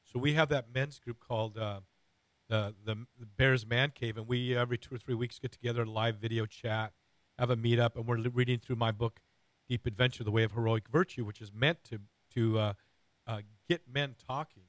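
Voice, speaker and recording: Hoarse, raspy middle-aged male radio host. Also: mid-range voice, steady tone, brisk, no room sound. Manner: earnest, rambling with many fillers and restarts.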